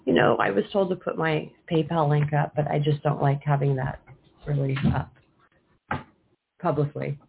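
A woman's voice: low voice, level tone, moderate pace, creaky, pauses often. A woman co-hosting a casual call-in radio show, with a stuffed-up, nasal voice as if her nose is blocked. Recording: tinny phone-like line, faint hiss.

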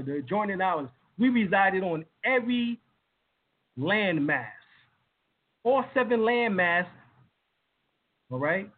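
A fairly high-voiced man lectures and takes questions on a live stream. He talks loosely, full of fillers, and pushes hard on his points. His husky voice comes through a thin, phone-like line. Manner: emphatic, with many fillers and rising heat. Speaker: lecturer and show host. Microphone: video call.

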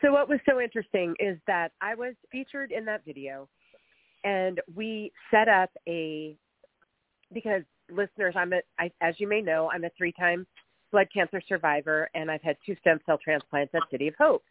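A woman's voice: lowish voice, normal speed, dry recording. Stuffed-up woman radio host. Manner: upbeat, lively, chatty. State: stuffed up with a cold, coughing. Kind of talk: radio interview. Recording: tinny phone-like radio audio with faint music.

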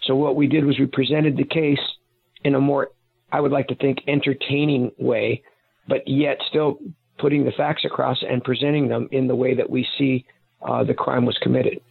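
A man's voice: mid-range voice, little pitch movement, normal speed, creaky, husky. A man who is a guest author, explaining at length in a rambling way with many restarts, heard over a phone line. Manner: rambling, self-correcting explanations. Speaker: guest author and private investigator. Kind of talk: phone-in interview.

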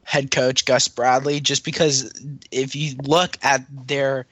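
A man's voice: mid-range voice, flat delivery, slow, a bit bright, no echo. A young man co-hosting a casual podcast, telling stories and teasing his co-host in a chatty way. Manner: chatty, storytelling, playful teasing. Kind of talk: casual chat.

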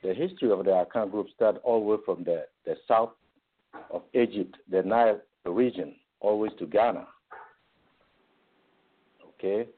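A man's voice: on the low side, moderate pace, pauses often, husky. Man with Ivorian accent on phone line. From Ivory Coast. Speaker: guest on a call-in show. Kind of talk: explaining history in an interview. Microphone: phone call.

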